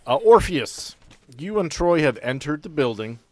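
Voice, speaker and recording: A man's voice: fairly high pitch, sing-song, normal speed, a little mellow, dry recording. A man acting as game master, improvising narration and guiding players through a tabletop game.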